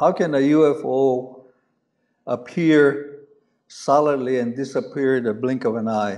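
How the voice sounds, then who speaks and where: Fairly slow speech in an American accent, with ordinary pitch variation and audible room echo. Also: man, fairly high pitch for a man. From Zuni Pueblo, New Mexico, US Southwest. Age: 70s. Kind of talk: conference talk. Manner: halting, many fillers.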